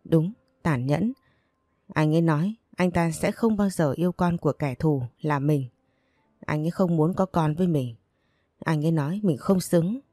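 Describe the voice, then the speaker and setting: A woman's voice: sits low, normal speed, mellow, dry recording, studio quality, faint music behind. A woman reading an audiobook and voicing a heartbroken young wife, choked and self-blaming. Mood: bitter.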